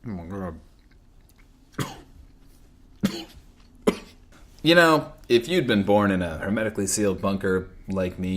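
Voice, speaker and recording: An actor playing a self-absorbed post-apocalyptic radio host in a comedy, with showy, sardonic, mock-boastful patter. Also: male voice, on the low side, a bit bright. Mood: smug, wry. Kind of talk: comedic audio drama radio DJ acting.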